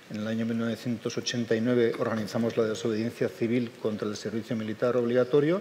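A man speaks at a moderate pace with hardly any pauses, his medium-pitched voice monotone and flat. Light background noise sits under the recording. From Basque Country, San Sebastián. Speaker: international criminal investigator. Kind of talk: public talk. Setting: stage with audience. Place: hall. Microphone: headset.

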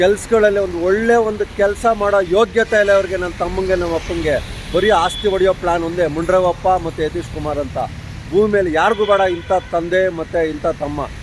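Through noticeable background noise, a man with a high pitch talks in a fairly even intonation. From Karnataka, village near Bangalore. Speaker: vlogger, environmental activist. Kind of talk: vlog monologue, personal grievance. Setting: outdoors in front of family house. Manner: agitated.

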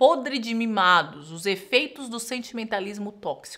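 A woman talks fairly slowly, her pitch varying in an ordinary way, with a quiet background. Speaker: women's mentor and podcast host; podcast host. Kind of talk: motivational monologue. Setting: studio recording on camera. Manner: direct. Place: studio. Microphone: studio mic.

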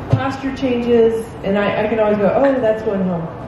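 A woman with a fairly high pitch talks at a moderate pace with ordinary pitch variation. Noticeable background noise and audible room echo fill the recording. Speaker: panel moderator at an art center. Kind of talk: moderated panel discussion. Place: hall.

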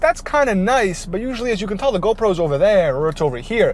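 A man speaks with lively intonation. Light background noise is present. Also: dry sound with no echo. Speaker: car vlogger testing mics. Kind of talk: casual vlog chat. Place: car. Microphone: lapel.

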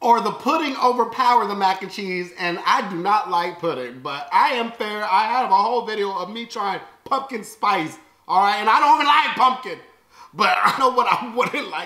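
A raised, projected voice moves at a moderate pace amid audible room echo. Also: man. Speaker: food reaction vlogger. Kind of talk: casual vlog chat. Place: home room. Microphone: camera far.

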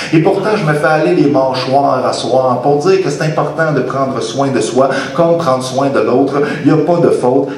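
There is audible room echo around a man speaking at a moderate pace. His voice sits fairly high, with ordinary pitch variation. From Quebec. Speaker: slam poet. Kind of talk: improvised slam poetry performance. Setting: live stage show. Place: stage.

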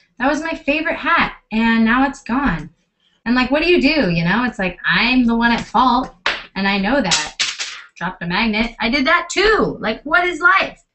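A woman talks at a moderate pace in a high pitch. Noticeable background noise runs behind her. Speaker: video creator. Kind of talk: casual live stream chat. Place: home room. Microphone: webcam.

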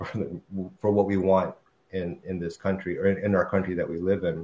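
This man's speech carries an American accent. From Texas. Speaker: panel artist. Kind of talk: panel discussion. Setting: video call. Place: home room. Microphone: video call.

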